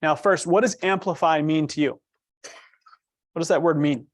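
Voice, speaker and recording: A man with a quiet voice presenting a workshop, asking the audience questions as he goes. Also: on the high side, moderate pace, no echo, studio quality. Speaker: trainer.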